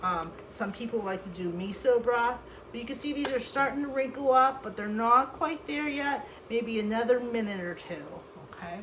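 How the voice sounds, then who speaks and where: A woman's voice: on the high side, normal speed, few pauses, fairly bright tone. A woman born in South Korea and raised in Western Pennsylvania, hosting a casual cooking show from her kitchen in a chatty, rambling way. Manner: chatty, rambling, addresses viewers as folks. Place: home kitchen. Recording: echoey room, faint noise.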